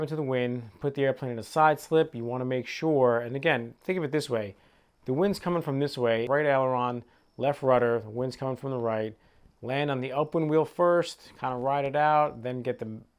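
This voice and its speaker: A man speaks fairly quickly, his pitch varying in an ordinary way, and the background is quiet. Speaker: pilot instructor. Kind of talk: tutorial. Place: home room.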